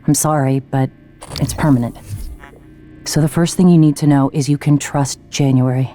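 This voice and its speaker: An actor playing a scientist who calmly leaves a recorded message explaining things to himself, in a video game. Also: male voice, a little high, normal speed, close to an everyday voice. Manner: calm, confiding, matter-of-fact. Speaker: game character. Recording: game audio with faint music.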